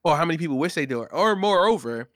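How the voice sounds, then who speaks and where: A man's voice: fairly high pitch, animated, fast, fairly bright tone, no echo, clean studio sound. A man in a casual podcast discussion who restarts his sentences several times before he gets to his point.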